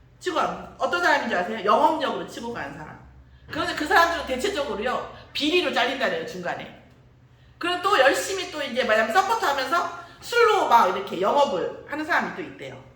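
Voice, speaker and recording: Delivered at a fairly quick pace, the speech has an animated tone over noticeable background noise. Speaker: pastor. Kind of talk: sermon. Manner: conversational, animated.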